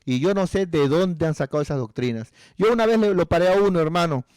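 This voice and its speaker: A man's voice: fairly high pitch, animated, fast talker, a little mellow, no room sound. A male pastor preaching a sermon in an earnest, pleading way, often acting out little dialogues.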